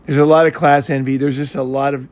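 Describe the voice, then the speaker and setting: A man's voice: medium pitch, little pitch movement, fast, darkish tone. An American man chatting casually in a rambling, blunt way, with frequent swearing. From United States. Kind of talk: casual chat.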